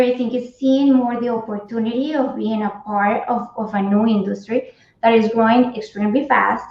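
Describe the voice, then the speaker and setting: A woman from Colombia, an HR guest answering interview questions earnestly, often restarting and repeating words. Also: a little high. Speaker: cannabis company HR guest. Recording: echoey, dull remote audio.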